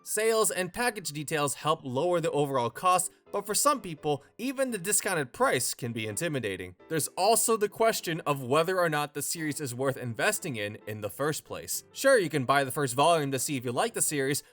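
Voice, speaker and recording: Higher-pitched, lively man narrating over music. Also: brisk, few pauses. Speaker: host of a visual novel review channel. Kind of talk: scripted video essay narration.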